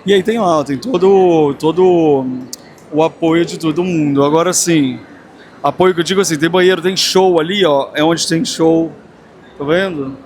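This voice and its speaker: A man's voice: fairly high pitch, moderate pace, a little mellow. A Brazilian man hosting a casual walking vlog, speaking effusively and straight to his viewers in a busy fair. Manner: effusive, addresses viewers directly. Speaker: vlogger and host. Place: busy large craft fair. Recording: clear background noise of a busy fair.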